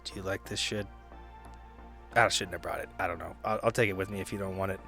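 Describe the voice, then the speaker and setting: An awkward, bookish man as a male player acts him out in a tabletop game. He speaks low and haltingly, bluntly kind and clumsy with feelings. Music plays underneath. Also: fairly even intonation, bright, forceful tone. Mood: sheepish, awkward.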